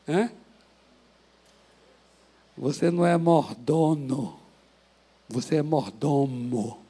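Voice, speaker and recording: High-voiced Brazilian pastor preaching. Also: male voice. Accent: Brazilian Portuguese. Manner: impassioned, rises to shouts then drops to soft prayer. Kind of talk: sermon. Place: church sanctuary.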